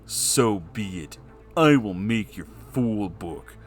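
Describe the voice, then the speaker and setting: A haughty cartoon cat speaks low and slow, every word stern and pompous, as a man puts him on. He sounds puffed up and self-important. Faint music plays underneath. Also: animated.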